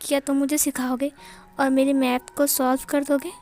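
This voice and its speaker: A woman's voice: high voice, little pitch movement, moderate pace, darkish tone, faint music behind. A woman voicing a shy, flustered young male college student in an amateur fan-fiction reading, stammering as she goes.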